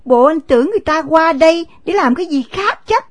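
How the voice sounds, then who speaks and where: A woman's voice: high-pitched, moderate pace, no room sound, clean studio sound, natural voice. A woman voicing a sulky, scolding young country woman in an audio story. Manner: pouting, scolding.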